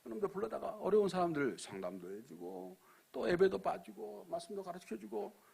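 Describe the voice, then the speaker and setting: Jeolla-accent missionary guy preaching, husky voice, pitch all over the place, loud then hushed. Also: brisk. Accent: Jeolla dialect. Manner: animated storytelling, swinging from loud emphasis to near-whispers. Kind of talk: sermon.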